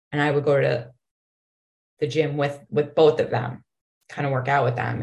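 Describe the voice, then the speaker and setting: This woman talks at a fairly quick pace with a somewhat breathy voice. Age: 30s. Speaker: nutrition coach and yoga instructor. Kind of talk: casual interview.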